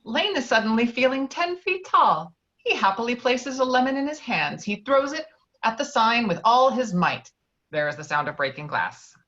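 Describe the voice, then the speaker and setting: A woman's voice: a little high, very animated, moderate pace, fairly bright tone. Dull-sounding woman reading stage directions. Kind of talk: amateur script table read. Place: remote video call.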